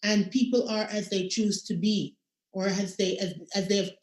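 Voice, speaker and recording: A woman's voice: medium pitch, steady tone, moderate pace, echoey room. A woman moderating a video call panel, reflective and emphatic as she responds. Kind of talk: panel discussion.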